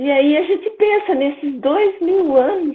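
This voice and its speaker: A woman's high-pitched voice, very slow in pace, with lively intonation. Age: 60s. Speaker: study group participant. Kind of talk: group discussion.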